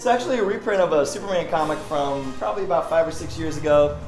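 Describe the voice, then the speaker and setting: A man talks at a fairly quick pace amid audible room echo, with clear music playing in the background. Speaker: comic shop promoter. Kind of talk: casual promotional vlog chat. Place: shop. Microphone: phone near.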